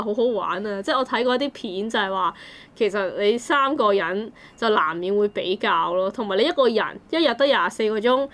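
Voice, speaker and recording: A woman with a Hong Kong Cantonese accent co-hosting a casual discussion, reasoning aloud with playful examples. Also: medium pitch.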